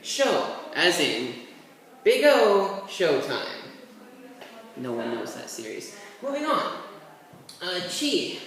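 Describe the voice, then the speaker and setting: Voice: medium pitch, huge pitch swings, takes it slowly, long pauses, a bit bright, far from the mic. A person giving a laid-back, rambling tutorial while writing characters, with offhand asides. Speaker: language tutor. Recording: very echoey room, voice set back from the mic, faint hiss.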